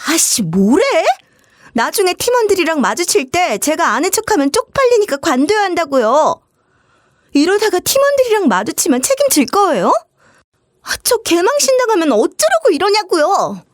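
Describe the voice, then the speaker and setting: A woman's voice: extremely high pitch, big pitch swings, moderate pace, dry recording, studio quality, voice pushed up. A woman voicing a rude, contemptuous young woman who mocks her sister-in-law and whines when she is crossed. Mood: whiny. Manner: mocking, contemptuous.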